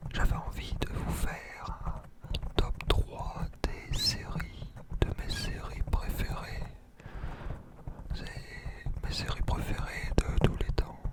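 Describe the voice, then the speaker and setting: A woman whispers very slowly, leaving long, frequent pauses, as noticeable background noise continues. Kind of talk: ASMR whispered talk to camera. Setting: close microphone (studio-style desk mic). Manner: whispered, close to the microphone.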